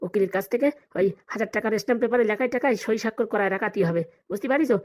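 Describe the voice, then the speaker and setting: Woman doing money-hungry cartoon village dad, scolds and banters super fast. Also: a little high, close to an everyday voice. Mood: scheming, pleased. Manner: rapid, colloquial, bantering scolding. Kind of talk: comedy cartoon dialogue.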